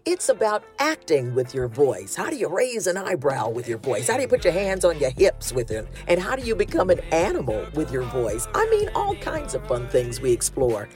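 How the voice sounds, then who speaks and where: A woman talk show host with a Southern US accent, a loud voice and a big laugh, talking in a lively, folksy way. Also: sits low, moderate pace, hardly any pauses, over music. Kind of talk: casual chat and promo.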